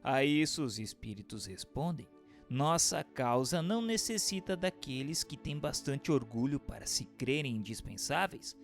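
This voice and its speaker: A man with a Brazilian accent narrates a formal, scripted text over faint music. His mid-range voice moves with lively intonation, and his delivery is didactic and carefully phrased. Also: medium pitch, moderate pace. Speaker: narrator and questioner.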